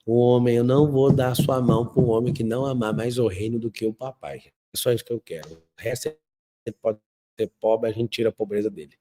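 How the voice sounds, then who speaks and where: Emphatic Brazilian man, dark mellow voice. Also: medium pitch, fairly even intonation, brisk, slight background noise. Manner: emphatic storyteller, acting out quotes and swinging between loud and soft. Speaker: speaker of a motivational talk show. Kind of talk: motivational talk with faith themes and family stories.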